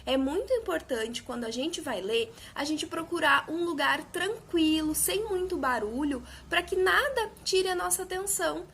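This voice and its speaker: A woman teaching a recorded video lesson to young children, patient and clear, stretching out words to stress their syllables. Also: very high-pitched, animated, a bit bright, slight background noise. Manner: slow, patient, exaggerated syllable emphasis. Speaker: primary school teacher.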